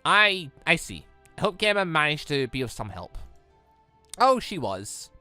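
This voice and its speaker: Animated, bright-voiced man doing a let's play. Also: on the high side, measured pace, faint music behind. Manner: animated, stumbles while reading and exclaims at the story. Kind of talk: reading visual novel dialogue aloud with excited reactions.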